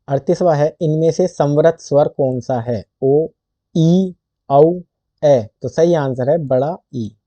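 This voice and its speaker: Slow, dark-voiced male tutor. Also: mid-range voice, dry recording. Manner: reads options slowly, then states the answer. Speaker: Hindi exam tutor. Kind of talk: quiz lesson reading questions and answers. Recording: dull lo-fi recording.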